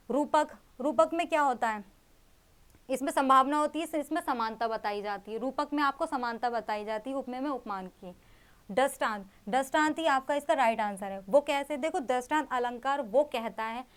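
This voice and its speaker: A woman's voice: sits high, clear, resonant tone. A young woman teaching an exam-prep grammar lesson, explaining with rhetorical questions and repeating key terms.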